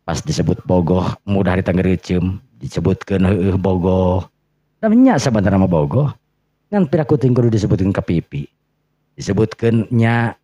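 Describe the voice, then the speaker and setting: Male storyteller, Sundanese accent, low-pitched, dark tone, muffled lo-fi sound. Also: dry recording. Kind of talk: dramatic bedtime-story narration. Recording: muffled, lo-fi recording.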